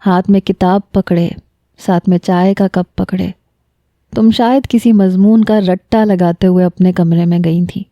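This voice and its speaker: A woman reading the lines of an earnest, emotional young man confessing his love, in a soft, heartfelt storytelling delivery. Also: on the low side, fairly even intonation, no echo, muffled recording, lightly acted. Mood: tender. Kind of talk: scripted narration.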